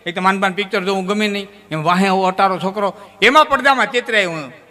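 A man telling comic folk tales to a live audience, his voice pitched a little high and ringing bright. He leaps up suddenly in pitch as the stories build. A long hall reverb trails every line. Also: quick pace. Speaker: folk storyteller. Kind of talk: folk comedy storytelling on stage.

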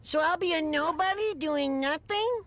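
A man's voice: very high-pitched, moderate pace, pushed and bright. A man playing a sweet, dim, easily crestfallen chubby little boy in a cartoon, earnest and naive. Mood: worried. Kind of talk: cartoon acting.

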